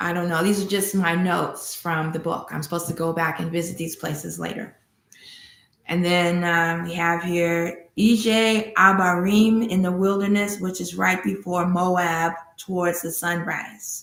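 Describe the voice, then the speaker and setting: In a normal speaking voice, a woman talks at a fairly slow pace. Her pitch is fairly low and her intonation fairly even. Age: 60s. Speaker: spiritual wellness channel host. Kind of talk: casual livestream talk, reading from notes. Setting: livestream with sun on face.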